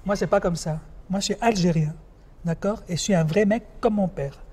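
A man's voice: sits high, fairly quick, darkish tone, breathy edge. An actor playing a proud, blunt Algerian trans woman who works the street, in a scene from an ethnofiction film. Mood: defiant. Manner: defiant, blunt street talk.

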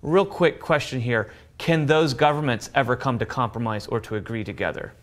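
Young man hosting a studio talk show. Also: medium pitch. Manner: measured, transitions to a break. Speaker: co-host. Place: television studio.

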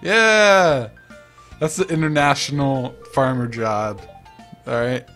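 A man's voice: medium pitch, normal speed, vocal fry, soft background music. A young man giving casual, rambling, self-mocking commentary as he plays a farming video game. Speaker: let's play host.

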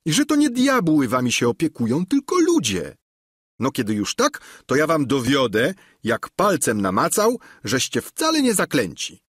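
A man's voice: fairly high pitch, wildly swooping pitch, moderate pace, husky, no room sound, studio quality, exaggerated voice. A man voicing an older, simple, talkative peasant squire who pleads and insists. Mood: exasperated.

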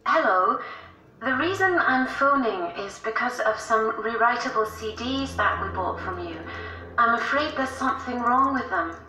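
A woman's voice: on the high side, animated, moderate pace, bright, forceful tone. A woman acting a polite customer phoning about a problem in a scripted language-course dialogue. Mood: polite, concerned. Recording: roomy, noisy course audio playback.

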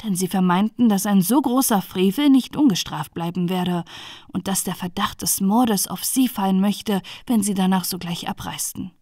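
A woman reading a dark bedtime fairy tale aloud in a calm, even narrating voice. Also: medium pitch, moderate pace, no echo, studio quality. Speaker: storyteller.

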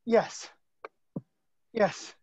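An actor playing a devoted, urgent young suitor, earnest and pleading, in a staged reading. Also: male voice, very slow, a little mellow, dry recording, dull audio. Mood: tender, urgent.

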